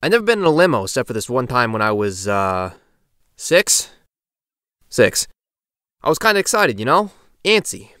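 An actor playing a haunted, restless young man who recounts events in a halting, slangy way for an audio drama. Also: mid-range voice, sing-song, bright, forceful tone, no echo, clean studio sound. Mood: restless, rueful. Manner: colloquial, halting, informal.

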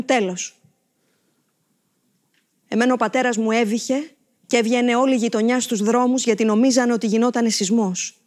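An actress reading a short story aloud on stage, telling it in the first person with expressive, theatrical delivery. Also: female voice, fairly high pitch. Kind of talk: dramatic literary reading.

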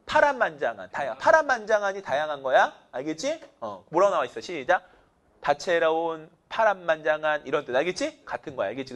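Lively man drilling vocabulary. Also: a little high. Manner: drills students with countdowns and repeated cues, jokes in slang. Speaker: English teacher. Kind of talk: energetic vocabulary lecture with call-and-response drills.

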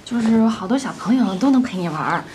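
A woman's voice: fairly high pitch, lively intonation, fairly quick, darkish tone, slight background noise, natural voice. An actress playing a young mother who pleads with her own mother and argues back in a TV drama scene. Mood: coaxing. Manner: pleading, defensive. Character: weary young mother, defensive with her mother, gentle with child. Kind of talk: TV drama acting.

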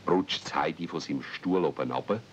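Low-voiced Swiss German male storyteller. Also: normal speed. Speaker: narrator. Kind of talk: storytelling narration in a children's radio play. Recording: muffled, noisy old cassette with rumble.

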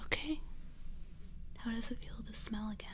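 A young woman in her twenties doing a whispered role-play as a face clinic worker, speaking softly, gently and reassuringly from a small bedroom. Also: a little high, normal speed. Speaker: ASMR artist.

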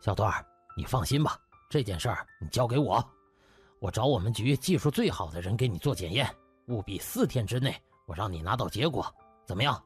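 A man's voice: lowish voice, expressive, fairly quick, slightly rough, soft background music. A man voicing a hearty, grateful middle-aged official who talks in an effusive, chummy way. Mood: earnest, reassuring.

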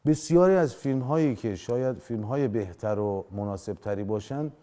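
This forties-aged actor, a guest on a dark TV studio set, has a warm, mid-range voice picked up by a lapel mic. He argues his opinions emphatically, gesturing with his hands and acting out the lines he quotes.

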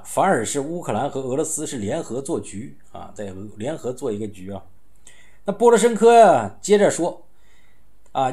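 A man's voice: medium pitch, a little mellow. Middle-aged man, wry informal commentator. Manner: conversational, wry, with rhetorical questions and sighs. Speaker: host of a political commentary show. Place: small indoor room, seated.

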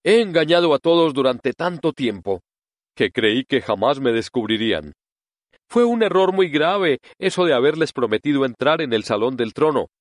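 A quavering, timid little old wizard, as a male storyteller puts him on, pitched above the reader's own voice and swinging widely in tone. He pleads and excuses himself humbly, a fraud caught out in an audiobook story. The sound is close and dry. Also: lively intonation, moderate pace, dry recording, lightly acted. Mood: humble explaining. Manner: trembling, pleading voice.

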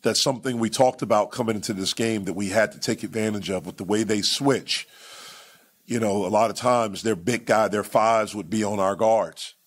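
A man in his forties with a fairly low voice, fielding questions as head coach at a postgame press conference. He answers in a measured, repetitive way, leaning on "you know" and "man," speaking into microphones set on the table. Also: steady tone. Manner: measured, repeats phrases, many fillers like "you know" and "man". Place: press conference room with sponsor backdrop.

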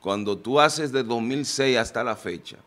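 A man in a TV studio panel, talking into a desk microphone, pressing his point with forceful questions. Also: mid-range voice, moderate pace. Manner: emphatic, rising to forceful questions. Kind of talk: heated political panel debate.

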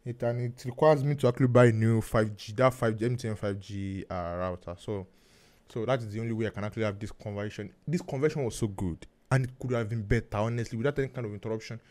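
Halting Nigerian man hosting a podcast. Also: lowish voice, fairly even intonation, a little mellow. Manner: halting, many restarts and fillers, repeats "actually" and "honestly". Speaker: podcast host. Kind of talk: podcast interview.

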